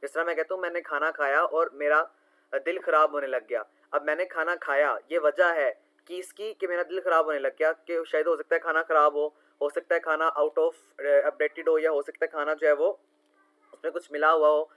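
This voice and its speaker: A male tutor walks through quiz answers in a screen-recorded lesson. His voice sits a little higher than most men's. He explains patiently, slows right down to spell words letter by letter, and speaks close to a desk mic. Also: steady tone, pushed and bright, rough recording.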